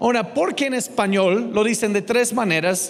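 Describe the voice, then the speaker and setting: Amid noticeable background noise and audible room echo, a man talks fairly slowly in a high voice with ordinary pitch variation. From northern US. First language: English (speaking Spanish). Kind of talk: lecture. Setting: church with audience. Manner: animated.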